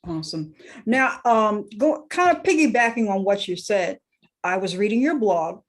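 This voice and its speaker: A woman's voice: medium pitch, animated, normal speed. Podcast host: woman with a mid-range voice, easy and encouraging as she asks questions. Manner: warm, affirming, conversational questions. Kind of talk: podcast interview.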